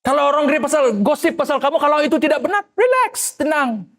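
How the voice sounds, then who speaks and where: Very high-voiced male pastor preaching. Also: quick pace. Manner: animated, rhetorical questions, acts out quoted voices. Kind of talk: sermon.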